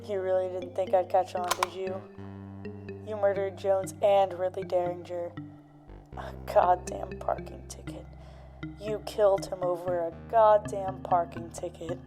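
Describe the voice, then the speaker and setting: A woman's voice: fairly low pitch, little pitch movement, a little slow, over music, natural voice. A woman acting a cynical, hard-drinking gumshoe in a radio drama, blunt and sardonic. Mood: angry, accusing. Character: hard-drinking, cynical, foul-mouthed gumshoe hunting a killer.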